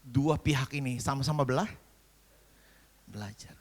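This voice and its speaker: A man's voice: medium pitch, normal speed. A man of sixty, a pastor preaching a sermon and telling a family story with acted-out dialogue and rising emphasis. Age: 60s.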